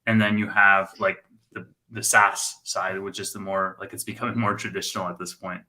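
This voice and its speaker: A man's voice: low-pitched, little pitch movement, normal speed, pushed and bright, poor audio. A man in his late twenties co-hosting a casual podcast, asking articulate, probing questions. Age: 20s. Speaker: podcast co-host.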